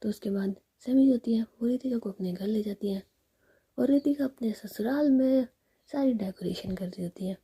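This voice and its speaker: A woman narrating a love story entirely in a soft whisper. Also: a little high, moderate pace, husky. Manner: whispering throughout.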